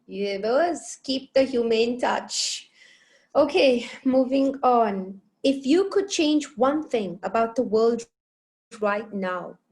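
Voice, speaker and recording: A woman's voice: fairly high pitch, lively intonation, takes it slowly, darkish tone, rough recording. A woman from the United Arab Emirates hosting a conversational online interview, chatty and affirming toward her guest. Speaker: interview show host.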